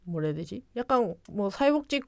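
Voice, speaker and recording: A woman's voice: medium pitch, very animated, brisk, dark tone, dry recording, clean studio sound. A woman with a Korean regional accent, chatting casually as a podcast guest in a rambling, giggly, self-deprecating way. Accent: Korean regional dialect. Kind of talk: casual conversational storytelling.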